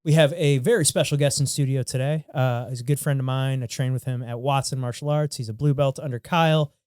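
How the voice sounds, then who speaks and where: A man's voice: medium pitch, fairly even intonation, darkish tone, clean tone, no room sound, clean studio sound. A man hosting a podcast, speaking casually with lots of "like" and "you know". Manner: brisk and friendly, filler-heavy with "like" and "you know". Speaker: podcast host. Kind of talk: casual podcast chat and host reads. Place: podcast studio.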